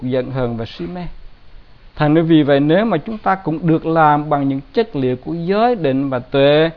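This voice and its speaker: A man giving a Buddhist dharma talk in a plain, conversational way with gentle humor. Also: fairly high pitch, creaky. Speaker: Buddhist teacher. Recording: dull lo-fi recording.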